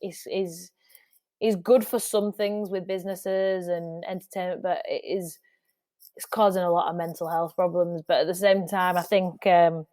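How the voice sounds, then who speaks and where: A woman's voice: lowish voice, flat delivery, moderate pace, mellow, no room sound. Chatty woman in a dry room. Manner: chatty, restarts often, laughs easily. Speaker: music industry guest. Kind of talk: casual interview chat.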